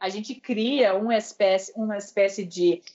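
Her pitch is fairly high for a woman. She speaks at a fairly slow pace. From Iran. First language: Persian (speaking Portuguese). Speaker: international law scholar. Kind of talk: interview. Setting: remote call from Tehran. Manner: hesitant, frequent filler sounds.

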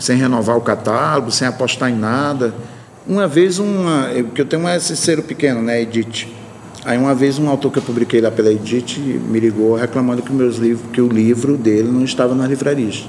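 A man's voice, pitched in the middle range, is heard through noticeable background noise. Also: ordinary pitch variation, moderate pace. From Brazilian Northeast, Pernambuco backlands. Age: 50s. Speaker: writer. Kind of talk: interview. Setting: empty room, opera in background.

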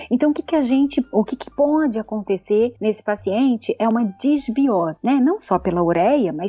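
This is a woman with a fairly high pitch and a normal speaking voice. Her intonation is lively and her pace moderate. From Santa Catarina, Brazil (Florianópolis). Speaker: nutritionist and researcher. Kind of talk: expert panel discussion.

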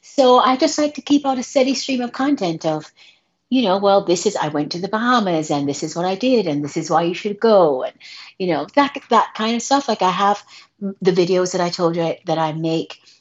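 Her voice, medium in pitch, makes very wide pitch swings as this woman talks at a fairly quick pace. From England, Caribbean parents, back and forth to Jamaica. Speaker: travel writer. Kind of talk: interview. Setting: remote interview during lockdown. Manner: animated.

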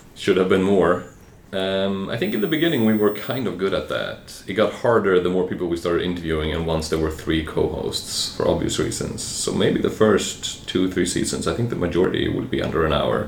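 A man's very deep, low voice with a Swedish accent at a fairly quick pace, plus noticeable background noise. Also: ordinary pitch variation, hardly any pauses. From Sweden. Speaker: arbitration lawyer, podcast co-host. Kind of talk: casual chat.

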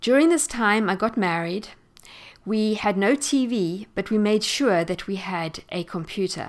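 In a very clean recording with a silent background, a woman with a South African accent speaks at a fairly slow pace in a medium pitch with lively intonation. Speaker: podcast host and homeschool mom. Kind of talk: solo podcast introduction.

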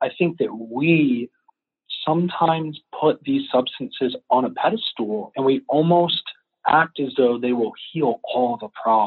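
A man with a plain, everyday voice speaks at a fairly slow pace with an American accent, his fairly high pitch rising and falling with lively intonation. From Florida. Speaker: nutritionist and personal trainer. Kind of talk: interview conversation.

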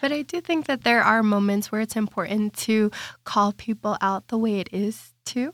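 A woman with a Boston accent and fairly high pitch, at a moderate pace with ordinary pitch variation, on a very clean, dry, close recording with a silent background and no echo. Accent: Boston-area American English. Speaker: community organizer. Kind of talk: interview.

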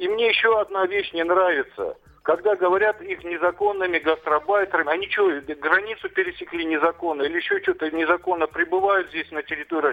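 Music plays behind a man with a high voice. He speaks at a fairly quick pace with fairly even intonation. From Tajikistan. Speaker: radio caller. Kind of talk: call-in opinion. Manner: hesitant, many fillers.

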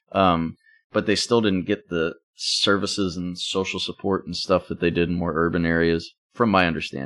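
A man with a very deep, low pitch at a moderate pace, with fairly even intonation and a quiet background. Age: 40s. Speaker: martial arts competitor and special ed teacher. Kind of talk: casual interview chat. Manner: halting, many fillers.

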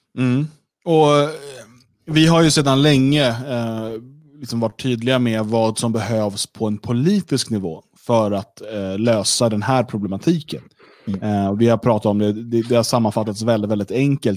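With a plain, everyday voice, the speaker keeps a moderate pace and ordinary pitch variation in a dry, close sound with no echo. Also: man. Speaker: web radio show host. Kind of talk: casual chat.

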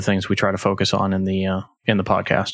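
The recording is very clean with a silent background, carrying a man's fairly low voice. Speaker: podcast co-host. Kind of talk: interview.

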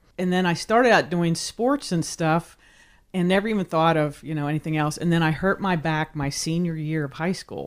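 In a very clean recording with a silent background, a woman with an American accent and a plain, everyday voice speaks at a fairly quick pace, her fairly low pitch showing ordinary variation. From Pennsylvania / West Virginia, tri-state area. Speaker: country songwriter and singer. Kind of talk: casual interview. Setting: music room at her home.

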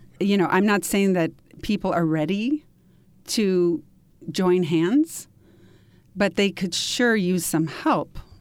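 A woman with an American accent speaks at a very slow pace, with long, frequent pauses. Her medium pitch carries lively intonation at very even loudness. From Detroit, US Midwest. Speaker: author. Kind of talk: interview.

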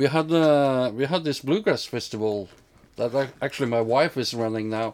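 A man speaks with a Norwegian accent. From Norway. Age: 50s. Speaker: musician. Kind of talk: casual interview.

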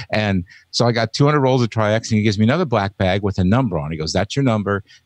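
With an American accent, a man talks in a fairly low pitch with ordinary pitch variation. It is an unremarkable speaking voice, heard dry and close with no echo against a quiet background. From US Midwest, Indianapolis, Indiana. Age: 60s. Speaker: bird and wildlife photographer. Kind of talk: interview. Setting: video call.

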